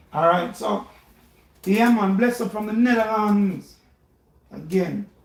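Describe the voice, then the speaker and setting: In a Jamaican accent, a man speaks very slowly with a relaxed tone and a high pitch for a man. His intonation stays fairly even. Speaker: guitar teacher and YouTuber. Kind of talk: casual livestream chat. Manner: laid-back, relaxed.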